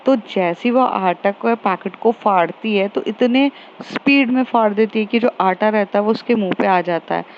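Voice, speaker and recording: A woman's voice: mid-range voice, moderate pace, few pauses. A woman casually retelling a romance story, narrating the dialogue in a loose, chatty way with many fillers. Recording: slightly dull lo-fi audio with faint background noise.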